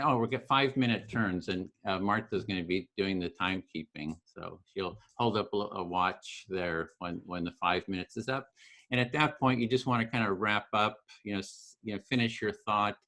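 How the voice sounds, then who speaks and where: A man hosting a video call and explaining how the discussion works, in a gentle, halting way with many fillers. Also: on the low side, vocal fry. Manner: halting, lots of uh and restarts, gentle. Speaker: host and facilitator.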